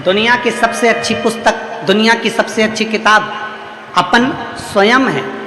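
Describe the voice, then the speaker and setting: High-voiced man preaching in an echoey hall. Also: normal speed. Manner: repetitive, rhythmic preaching with rising emphasis. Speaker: religious storyteller. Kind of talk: devotional sermon. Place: large hall at a religious gathering. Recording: echoey hall with music behind.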